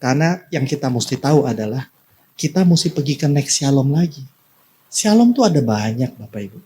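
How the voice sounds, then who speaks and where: A man's voice: mid-range voice, big pitch swings, brisk, mellow, slight background noise. A male pastor preaching a sermon in a church, in a casual, slangy way, often speaking straight to the congregation. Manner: casual and slangy, repeatedly addressing the congregation directly.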